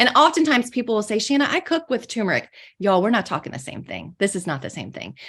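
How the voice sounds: Speaking fast, a woman makes big pitch swings, and her voice has a slightly husky edge.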